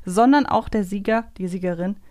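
A woman's voice: mid-range voice, a little fast, a little mellow. A woman hosting a podcast in casual conversation, playful and teasing as she talks. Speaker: podcast host. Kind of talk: casual chat.

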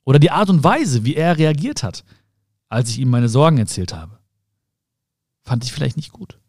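A podcast host with a warm, mellow, mid-range voice guides the listener through a quiet self-help monologue at normal speed, speaking calmly and directly to them like a friend and often circling back to rephrase each point. The recording is close and dry, with no room sound.

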